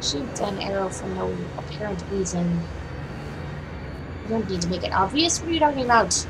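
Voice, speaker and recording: A young woman with a hoarse, raspy voice, casually commenting on her own gameplay while streaming from home and chatting with viewers. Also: mid-range voice, normal speed, poor audio. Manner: chatty, profane, talks to herself while playing. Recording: game music behind voice. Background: game music.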